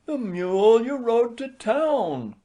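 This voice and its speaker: Man acting a country wife, storybook figure, raised pitch, gentle, slow, long-suffering, softly chiding. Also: very animated, full character voice. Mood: gentle questioning.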